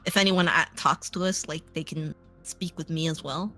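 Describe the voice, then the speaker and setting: A woman's voice: sits low, steady tone, moderate pace, bright, forceful tone, faint music behind. A woman playing a tabletop game, playful and joking. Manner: playful, joking, laughs often. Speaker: player. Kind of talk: casual tabletop play.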